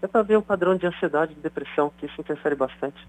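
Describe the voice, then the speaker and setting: A man's voice: fairly high pitch, very fast, low-quality recording. A man, a doctor, explaining things in a chatty radio interview. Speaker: neurosurgeon guest.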